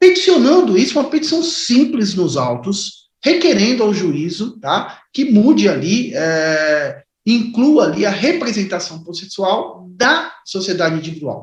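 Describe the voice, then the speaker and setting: With hardly any pauses, a man at a high pitch moves through very wide pitch swings. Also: fairly slow pace. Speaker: accountant lecturing on law firm taxes. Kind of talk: lecture. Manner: casual, conversational.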